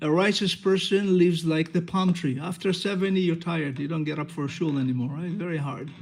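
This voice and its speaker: A man's high pitch at a fairly quick pace, with audible room echo. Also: fairly even intonation. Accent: slight Israeli. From Israel. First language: Hebrew. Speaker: rabbi teaching a Torah class. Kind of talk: religious lecture. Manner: conversational, interactive with class.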